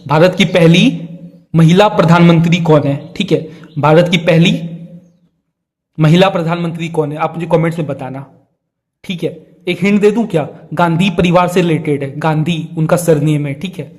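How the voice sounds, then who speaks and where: A man's voice: a little high, moderate pace, a little mellow. A young man teaching an exam-prep lesson, explaining step by step, often checking in with fillers and putting questions to his students.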